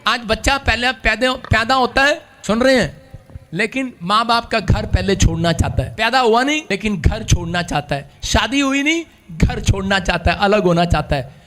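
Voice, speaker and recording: High-pitched shouting preacher man. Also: normal speed. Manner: swings between shouting and hushed asides, laughs often. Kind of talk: energetic sermon with call-and-response.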